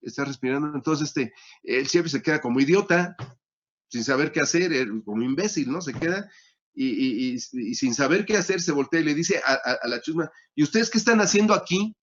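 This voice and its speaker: A man's voice: medium pitch, lively intonation, a bit bright. Man telling a surgery story, lots of fillers. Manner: halting, with many fillers and repeated words. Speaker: surgery teacher. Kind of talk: storytelling lecture. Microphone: phone. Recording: dull lo-fi sound.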